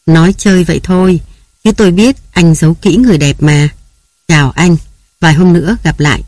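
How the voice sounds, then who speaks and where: Sly blackmailer voiced by the narrator, quick, teasing, dry close sound. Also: medium pitch, a little mellow, no echo, close to an everyday voice. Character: sly blackmailing man, mocking.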